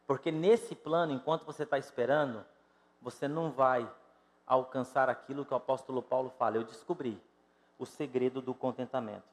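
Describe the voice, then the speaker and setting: A pastor in his fifties with a Brazilian Portuguese accent addresses his congregation directly in a church sanctuary, the room's sound big around him. Mid-range with fairly even intonation, he preaches emphatically, his loudness rising and dropping sharply from exclamations to hushed, drawn-out lines.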